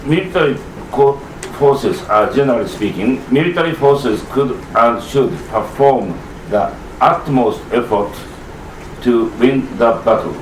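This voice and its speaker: Slow, deliberate Japanese-speaking man, far off. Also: medium pitch. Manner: slow, deliberate, halting reading. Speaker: constitutional law professor at press conference. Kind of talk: reading prepared remarks. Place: press club conference room. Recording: roomy, distant mic, faint noise.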